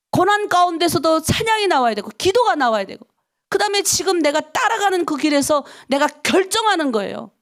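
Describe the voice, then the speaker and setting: A middle-aged woman pastor from North Korea giving a dawn prayer sermon, emphatic and full of rhetorical questions to the congregation. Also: extremely high pitch.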